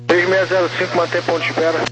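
A man's voice: high-pitched, little pitch movement, fast. A Brazilian man as a tower controller, giving clipped air traffic control instructions over radio. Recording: noisy tower radio with hum.

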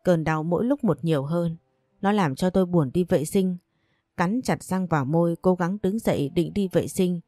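A woman reads a first-person story aloud in a steady, earnest voice. Her tone is low and warm, the recording dry and close with soft music underneath. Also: moderate pace, no room sound.

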